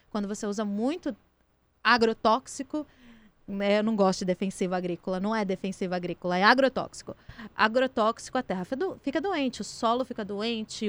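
Recorded dry and close with no echo, a normal speaking voice moves at a fairly quick pace with ordinary pitch variation. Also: woman. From São Paulo state, Sorocaba region (Itu). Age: 30s. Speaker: state legislator. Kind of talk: interview.

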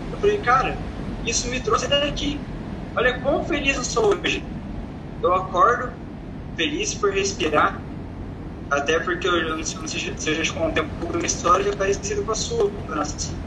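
Amid noticeable background noise and audible room echo, a man with a high pitch talks at a moderate pace, making very wide pitch swings and long, frequent pauses. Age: 20s. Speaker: live audience participant, digital marketer. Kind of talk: testimony.

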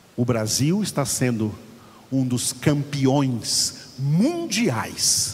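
Very wide pitch swings from a male speaker, plus noticeable background noise and audible room echo. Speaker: pastor. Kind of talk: sermon.

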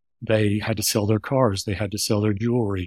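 A man with an American accent, fairly low-pitched and somewhat breathy, in a monotone, flat delivery. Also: dry, close sound with no echo. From Texas, Houston suburb. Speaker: author. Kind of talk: interview. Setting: remote call.

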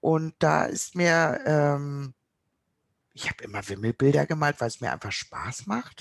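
With a northern German accent, a woman speaks at a fairly slow pace and a very deep, low pitch, with ordinary pitch variation, a dry, close sound with no echo, and a quiet background. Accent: northern German dialect still audible. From Hamburg, northern Germany. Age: 50s. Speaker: grief counselor. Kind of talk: personal testimony in interview.

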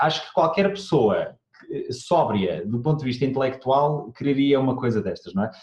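A man speaks at a moderate pace with a European Portuguese accent. His intonation is lively. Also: medium pitch for a man. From Portugal. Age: 30s. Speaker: podcast host on real estate investment. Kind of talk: interview.

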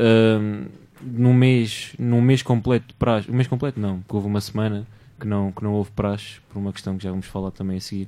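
A dark, mellow tone carries fairly even intonation. Delivery comes at a fairly quick pace. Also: man, fairly low pitch for a man. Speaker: master's student. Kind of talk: student debate. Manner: halting, many repetitions.

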